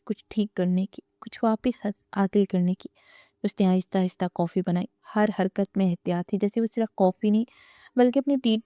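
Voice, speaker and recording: Woman narrator, mellow and dry, steady novel reading, close mic. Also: mid-range voice, dry recording.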